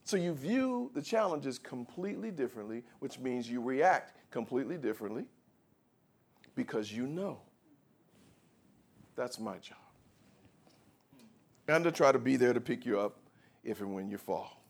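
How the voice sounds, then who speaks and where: A man preaching a sermon as pastor, in an animated style that swings from quiet teaching to shouting as he acts out scripture. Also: medium pitch, unhurried, vocal fry, long pauses.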